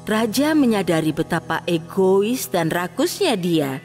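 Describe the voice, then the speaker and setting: A woman's voice: medium pitch, sing-song, measured pace, darkish tone, soft background music. A woman narrating a scripted children's fairy tale as the storyteller.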